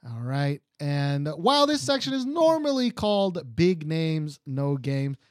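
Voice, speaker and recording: A man co-hosting a podcast in casual chat, animated and jokey, laughing often. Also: a little high, measured pace, no echo, studio quality. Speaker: podcast co-host. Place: Seoul, South Korea.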